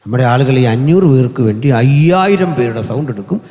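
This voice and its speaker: Malayali pastor preaching in a reverberant hall. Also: male voice, expressive, brisk, dark tone. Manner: humorous, conversational preaching with sudden rises in pitch. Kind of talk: sermon. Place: large hall. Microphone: hand or stand mic through an amplifier.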